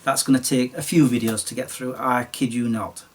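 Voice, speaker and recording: A man in his late forties with a Sheffield accent, chatting casually and self-deprecatingly about his past, his voice slightly croaky. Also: mid-range voice, little pitch movement, normal speed, distant mic. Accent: Sheffield English. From Sheffield, England. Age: late 40s. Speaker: YouTuber. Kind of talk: casual storytelling monologue.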